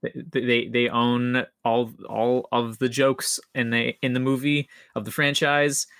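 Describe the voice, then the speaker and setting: A man with a bright, forceful voice at middle pitch chats on a podcast panel. He thinks aloud, often repeating phrases as he goes. The recording is very dry. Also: little pitch movement, a little slow, smooth, dry recording. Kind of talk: casual chat.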